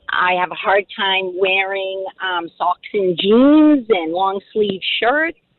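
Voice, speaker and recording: Talking very slowly, this woman has a medium pitch. Her pitch shifts in an ordinary way. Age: 60s. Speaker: caller. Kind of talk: call-in question.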